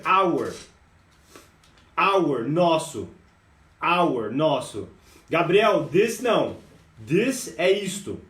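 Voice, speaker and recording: Lively Brazilian man teaching English live. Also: high-pitched, recorded from a distance. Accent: Brazilian Portuguese. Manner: lively, addresses viewers as "guys". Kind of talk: live-streamed English lesson. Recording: echoey room, voice a bit off-mic.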